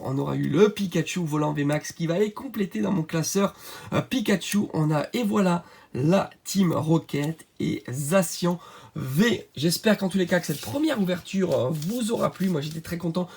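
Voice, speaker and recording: Hoarse man with a cold, gravelly. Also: a little high, normal speed. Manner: chatty, many fillers, excited at good pulls. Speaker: channel host. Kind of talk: card unboxing commentary.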